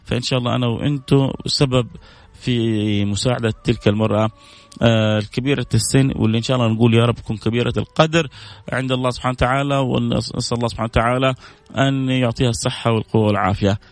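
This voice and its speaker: Rapid-fire and steady in tone, this medium-pitched man hosts a radio charity call-in through a studio microphone with no echo. He offers heartfelt appeals and repeats blessings over and over.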